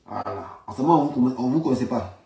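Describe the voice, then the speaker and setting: A man's voice: medium pitch, expressive, quick pace, creaky, warm tone. A man from Ivory Coast with an Ivorian accent, delivering an informal political rant in an emphatic, repetitive, argumentative manner. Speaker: political commentator. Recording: roomy, echoing sound.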